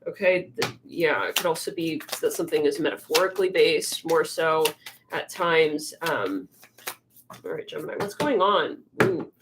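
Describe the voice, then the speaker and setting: A woman's voice: deep voice, lively intonation, normal speed, background noise. A young woman hosting a live tarot stream, chatting casually with lots of fillers, her voice a little congested. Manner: rambling, filler-heavy, chatty, often murmurs to herself.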